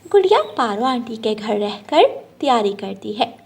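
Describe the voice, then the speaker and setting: A woman's voice: fairly high pitch, big pitch swings, a little slow, vocal fry, breathy edge. A woman narrating a children's cartoon story in a plain storytelling manner.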